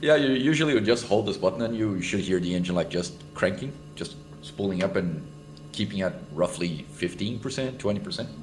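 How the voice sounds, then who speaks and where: A non-native accent at a fairly quick pace, with very wide pitch swings, long, frequent pauses and audible room echo. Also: man. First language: not English. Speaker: helicopter pilot and sim sound designer. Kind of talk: casual chat. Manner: halting, many fillers and repeats.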